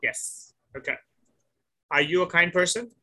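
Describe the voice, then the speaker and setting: A man's voice: sits high, animated, measured pace, sharp tone. A man teaching a one-on-one English conversation lesson over a video call, patiently asking simple questions, repeating and correcting the student's answers and praising her often. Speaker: English tutor.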